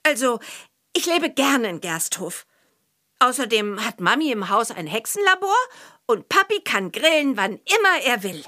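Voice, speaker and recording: A woman playing a cheerful young witch girl from a children's audio drama, chatting clearly as she answers questions. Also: on the high side, big pitch swings, normal speed, pushed and bright. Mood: cheerful, chatty. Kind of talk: scripted children's audio drama character interview.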